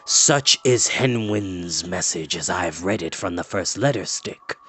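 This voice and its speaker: A man voicing a grave, troubled aged enchanter in a fantasy story, speaking slowly and haltingly. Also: deep voice, expressive, sharp tone, voice pushed down, heavily acted. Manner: slow, halting, solemn. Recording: music playing in the background.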